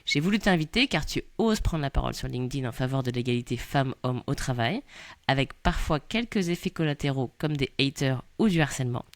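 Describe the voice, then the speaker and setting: A woman's voice: extremely low pitch, animated, brisk, dry recording. A woman hosting a podcast interview, reading a prepared introduction and asking her guest questions. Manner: reads a prepared introduction, then asks friendly questions. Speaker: podcast host.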